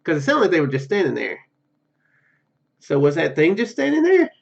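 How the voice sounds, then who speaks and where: A man with a fairly high voice plays a story game for his viewers. He reads the narration aloud, tripping over words and dropping in casual comments. The microphone sound is a little dull. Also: huge pitch swings, moderate pace, creaky. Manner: stumbles over words while reading. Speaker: gaming video host.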